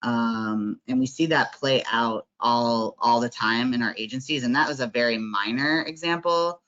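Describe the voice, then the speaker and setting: A man's voice: mid-range voice, normal speed, sharp tone, highs cut off. A man facilitating an online workshop, talking conversationally with lots of fillers and tag questions.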